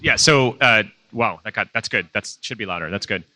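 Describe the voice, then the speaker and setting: A man speaking with a loud, very bright voice on a conference panel. He talks frankly and emphatically and often restarts his sentences. His voice is fairly low and the sound is dry and close. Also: animated, normal speed, no echo. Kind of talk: live panel discussion. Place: conference venue.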